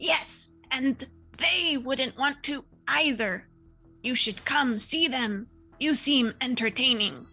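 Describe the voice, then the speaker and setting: Over faint music in the background, a woman uses a put-on character voice at a high pitch and a very slow pace. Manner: acted in character.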